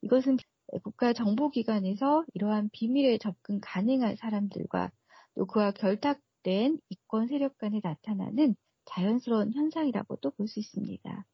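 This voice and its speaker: A woman's voice: medium pitch, normal speed, creaky, breathy edge, dry recording, lo-fi sound. A woman speaking as an expert radio guest, giving prepared analysis in a formal, explanatory way. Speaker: research fellow, expert guest.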